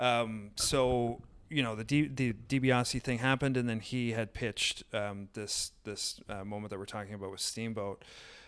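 Recorded very cleanly against a silent background, a man with an unremarkable speaking voice talks at a moderate pace and medium pitch, his intonation fairly even, with hardly any pauses. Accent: Canadian. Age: 30s. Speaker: professional wrestler and wrestling school trainer. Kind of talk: interview. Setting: studio.

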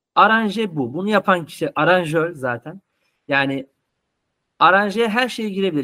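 Over a silent background on a very clean recording, a man speaks at a moderate pace with lively intonation and a bright, sharp tone. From Adana, southern Turkey. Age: 20s. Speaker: musician and music education student. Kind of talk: interview.

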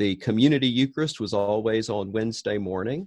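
A man in a Southern US accent at a moderate pace, with a dry, close sound, no echo and a quiet background. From Richmond, Virginia. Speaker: Episcopal priest. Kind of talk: interview conversation.

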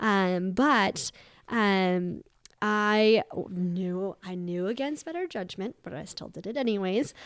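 A woman talks in a medium pitch. The recording is very clean over a silent background. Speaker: podcast host. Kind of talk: casual chat. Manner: fast talker when awkward or nervous.

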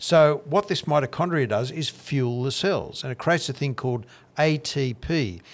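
In a very clean recording with a silent background, a man with an Australian accent speaks at a fairly high pitch with lively intonation. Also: moderate pace. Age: 50s. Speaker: cardiologist. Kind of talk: interview. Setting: studio.

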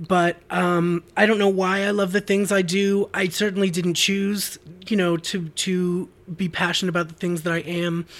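A high-pitched man talks at a moderate pace with an American accent. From US Northeast, Boston suburbs. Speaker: podcast guest, singer. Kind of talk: casual chat. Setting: studio. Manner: animated.

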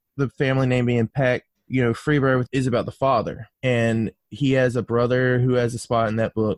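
Using a normal speaking voice with an American accent, a man speaks at a fairly quick pace in a dry, close recording with no echo. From US South, North Carolina. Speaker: novelist and audio drama writer. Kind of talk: interview conversation.

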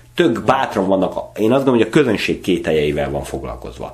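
Speaking at a moderate pace, a man is heard with audible room echo around him. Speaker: slam poet, actor and drama teacher. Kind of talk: casual chat.

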